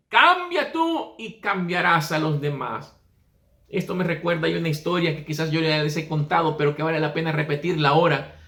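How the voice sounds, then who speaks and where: A man preaching a sermon, telling a story in an animated, emphatic way. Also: high-pitched, echoey room.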